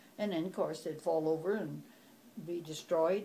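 A woman's very deep, low voice in an American accent, at a moderate pace with light background noise. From Oregon. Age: 90s. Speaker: rancher and local historian. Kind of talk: interview answer. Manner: hesitant, many fillers. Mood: animated, storytelling. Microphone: phone near.

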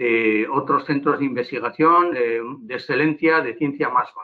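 A man with a plain, everyday voice and a fairly high pitch talks at a fairly slow pace with ordinary pitch variation against a quiet background. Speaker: corporate strategy executive. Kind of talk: corporate presentation. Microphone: webcam.

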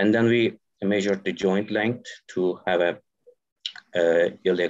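A man at a moderate pace with fairly even intonation, in a quiet background. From Turkey. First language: Turkish. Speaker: orthopaedic surgeon. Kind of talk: case presentation. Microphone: video call.

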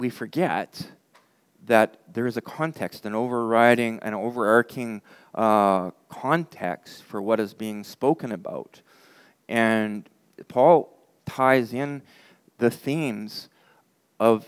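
In a quiet background, a man talks very slowly with long, frequent pauses and ordinary pitch variation. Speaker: pastor. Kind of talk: sermon. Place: church. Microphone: headset.

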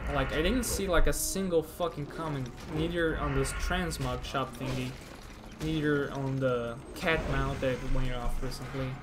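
The talking unfolds at a fairly slow pace. Behind it, there's music. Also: man. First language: not English. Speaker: gaming streamer. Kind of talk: live gameplay commentary. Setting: home streaming setup with mic. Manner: casual, rambling with frequent profanity.

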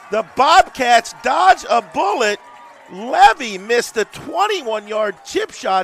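With noticeable background noise behind him, a man speaks in an excited tone at a high pitch, his voice making very wide pitch swings. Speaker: football play-by-play announcer. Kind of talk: live sports commentary. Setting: stadium broadcast at the field. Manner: excited, rising intensity on scores.

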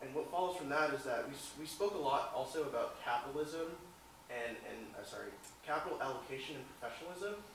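A man talks very fast at a fairly high pitch, his loudness swinging widely. Room echo is audible, and there is light background noise. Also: ordinary pitch variation. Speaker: student audience member; audience member. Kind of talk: audience question. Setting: stage with audience. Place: hall.

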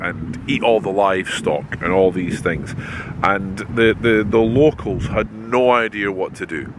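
A man with a Scottish accent speaks at a fairly slow pace, his fairly low voice carrying lively intonation. The sound is dry with no echo, and background noise is noticeable. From Scotland. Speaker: vlogger. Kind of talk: casual talk to camera, outdoor vlog storytelling. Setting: outdoors. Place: open country. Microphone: phone near.

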